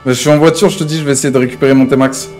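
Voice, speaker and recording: A man's voice: mid-range voice, fairly even intonation, rapid-fire, a little mellow, soft background music. A man streaming an online roleplay game, talking in casual, slangy improvised chat with frequent swearing and repeated pet phrases. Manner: repeats verbal tics, swears freely.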